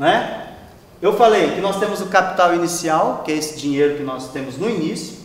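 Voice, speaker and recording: A man talks at a moderate pace with lively intonation. Background noise is noticeable. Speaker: teacher. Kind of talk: lecture. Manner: casual.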